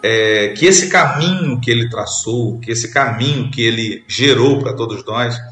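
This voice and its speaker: A man from Brazil preaching a sermon as a bishop, earnest, repeating phrases for emphasis and pausing between them. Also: mid-range voice, a bit bright, roomy sound, soft background music.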